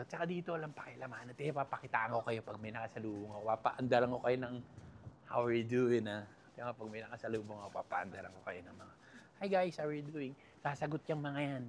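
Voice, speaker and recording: A playful man from the Philippines walks along a river path, chatting straight to his viewers in a casual travel vlog. He jokes and chuckles often, in a mid-pitched voice. A faint wash of outdoor ambience sits behind him. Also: a little hiss or hum. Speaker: travel vlogger.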